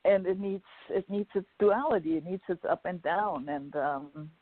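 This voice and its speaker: A woman from Germany, a guest on an online talk show, telling her story in a thoughtful, unhurried way. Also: on the low side, slightly rough. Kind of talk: casual interview talk. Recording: dry, phone-like call audio.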